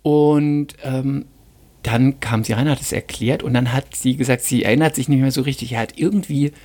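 A man chatting casually on a podcast, telling a lively anecdote and acting out the dialogue. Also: mid-range voice, normal speed. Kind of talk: casual podcast chat, storytelling.

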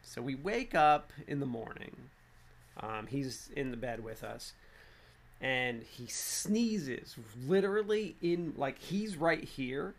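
A man's voice: mid-range voice, slow pace, slight background noise. A man in his thirties chatting casually in a rambling vlog, with lots of fillers and restarts. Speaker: vlogger.

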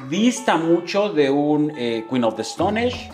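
A man co-hosting a podcast in relaxed casual chat, chiming in with quick jokey remarks. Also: on the high side, soft background music. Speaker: podcast co-host.

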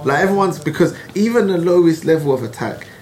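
A man's voice: on the high side, animated, fast, a little mellow. A young man hosting a podcast, talking in a laid-back, slangy way full of fillers. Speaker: podcast host. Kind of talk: casual interview chat.

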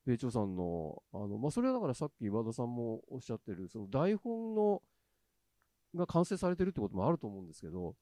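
Mellow, thoughtful man hosting a podcast. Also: medium pitch, sing-song, fast, no room sound. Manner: thoughtful, hesitant, many fillers. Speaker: podcast host. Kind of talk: casual chat.

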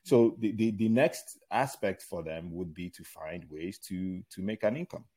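A middle-aged Nigerian man with a Nigerian accent and a very deep, slightly breathy voice speaks a little slowly as a guest in a casual interview chat. He rambles through his thoughts with many fillers and restarts, becoming more animated when telling stories.

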